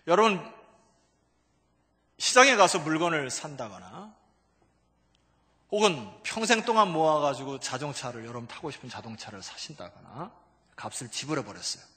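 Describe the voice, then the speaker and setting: A male pastor preaching a sermon, emphatic, swinging between loud exclamations and hushed low asides and calling out to the congregation. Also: very animated, moderate pace, pauses often. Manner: calls out to the congregation for responses. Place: church sanctuary. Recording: long reverb of a large church hall.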